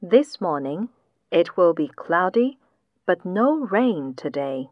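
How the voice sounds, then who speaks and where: A woman reading a weather report slowly and clearly for a listening test, with a dull lo-fi sound like AM radio. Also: lowish voice, very animated, no room sound. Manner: slow, deliberate, clearly enunciated reading. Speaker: test passage reader.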